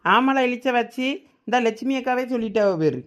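A woman's voice: a little high, expressive, a little fast, lightly acted. A woman playing a blunt, fond elder village daughter who teases in a Thoothukudi Tamil accent. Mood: teasing.

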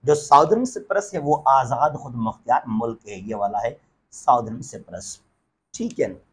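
A man giving a geography lecture at a map, asking himself questions and answering them, and slowing down for English terms. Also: medium pitch, expressive, breathy edge. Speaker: teacher.

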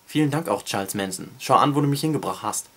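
Man reading as a sharp-tongued schoolgirl. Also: mid-range voice, animated, fast talker, vocal fry, breathy edge, full character voice. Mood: snappy, annoyed.

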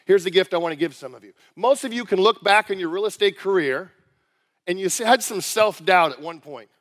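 A middle-aged man giving an energetic motivational keynote on a conference stage, repeating phrases and firing questions at the crowd. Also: sits high, brisk. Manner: emphatic, repeats phrases, asks the crowd questions, leads chants. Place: large conference hall on stage. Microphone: headset mic. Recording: live hall with long reverb.

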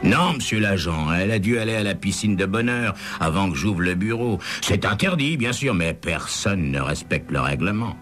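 A man voicing a middle-aged motel manager who whines and laments in a high, plaintive voice. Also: expressive, normal speed, hardly any pauses, over music. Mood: despairing.

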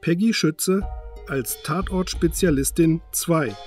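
A man's voice: on the high side, slow pace, a little mellow. A man reading scripted credits as an announcer. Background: music.

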